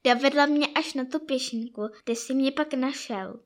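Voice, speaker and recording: A woman voicing a small, joyful girl, the daughter of a knight, with an excited, exclaiming child's voice. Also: sits high, pitched above the performer's own voice, natural voice. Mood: earnest.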